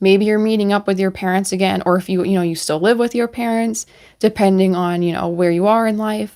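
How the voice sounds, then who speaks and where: On a very clean recording with a silent background, a woman with a normal speaking voice talks at a fairly quick pace, with a medium pitch and fairly even intonation. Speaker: tarot reader. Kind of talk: tarot reading monologue. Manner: casual with many fillers.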